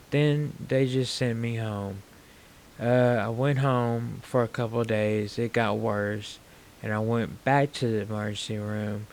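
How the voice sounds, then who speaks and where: A man in his forties with slurred speech, telling his own story to camera in a plain, unhurried way. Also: fairly low pitch, gravelly, a little hiss or hum. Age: 40s. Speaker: vlogger.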